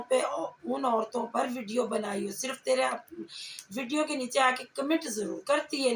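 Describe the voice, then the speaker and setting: Her voice is high and creaky with a fairly bright tone as this woman, a reaction vlogger, delivers confrontational commentary full of scolding, taunts, and pointed rhetorical questions. Faint background noise and room echo are audible.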